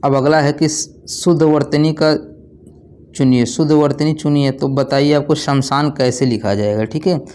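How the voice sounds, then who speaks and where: A man's voice: a little high, fairly even intonation, moderate pace, darkish tone. Man drilling exam answers call-and-response. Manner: repetitive call-and-response, asks then answers himself. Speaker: Hindi exam tutor. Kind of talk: online exam-prep lesson.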